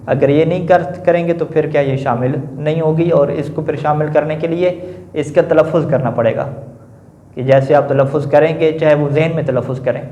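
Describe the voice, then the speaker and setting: A man teaching a class, his voice a touch higher than most men's. He keeps putting questions to the room and answering them himself, adding short confirming fillers. The sound is dull and lo-fi, with a clear room echo. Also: fairly even intonation. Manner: repeats a confirming filler often. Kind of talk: classroom lecture on Arabic grammar.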